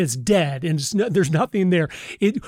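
A man with an American accent and a high pitch is heard in a dry, close sound with no echo. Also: very clean recording, silent background. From US West, Idaho. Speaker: documentary filmmaker. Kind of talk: casual chat. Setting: studio.

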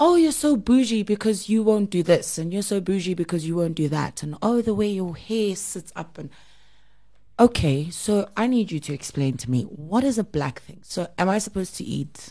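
In an ordinary speaking voice, a woman talks at a moderate pace and medium pitch with lively intonation and big swings in loudness. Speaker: podcast co-host. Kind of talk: casual chat.

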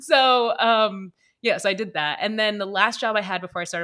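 A woman speaks at a fairly quick pace. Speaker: toy coach and online course creator. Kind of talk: casual interview chat. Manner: confident, businesslike, sounds like Shark Tank pitch.

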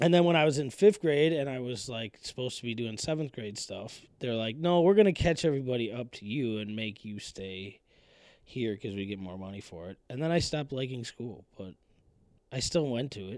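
In a very clean recording with a silent background, a man talks fairly quickly at a medium pitch with lively intonation and big swings in loudness, a normal speaking voice. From Minnesota. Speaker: comedian. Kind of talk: casual chat.

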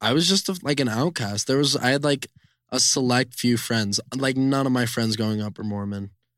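A man with an American accent speaks at a moderate pace in an unremarkable speaking voice, medium in pitch with ordinary pitch variation, recorded dry and close with no echo. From Utah, US. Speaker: host's younger brother. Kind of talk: casual chat.

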